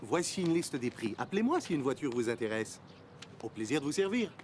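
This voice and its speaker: A man's voice: mid-range voice, sing-song, fairly quick, a little mellow, a little hiss or hum, natural voice. A man voicing an eager, polite car salesman in a cartoon, with courteous sales patter. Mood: eager to please. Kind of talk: cartoon voice acting. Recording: music behind the voice.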